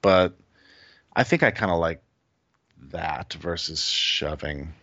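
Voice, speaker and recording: A man with a fairly low voice talks through a poker hand as a guest. He thinks out loud, hedging often with "like" and "I think." The audio is dry and a little dull. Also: takes it slowly, no room sound. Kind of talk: casual strategy analysis.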